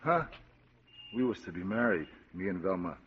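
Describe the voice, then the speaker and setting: A hulking gruff ex-con. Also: male voice, sits low, big pitch swings, normal speed. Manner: gruff, ungrammatical tough-guy speech. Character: huge slow-witted male ex-convict brute. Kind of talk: 1940s radio acting. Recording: dull old radio recording.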